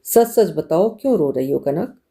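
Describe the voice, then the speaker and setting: A tender young husband speaks in soft, coaxing questions, as a woman narrator puts him on. His voice is low and dark-toned, gentle and pleading. It is heard in a storybook audiobook reading. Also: lively intonation, normal speed, vocal fry.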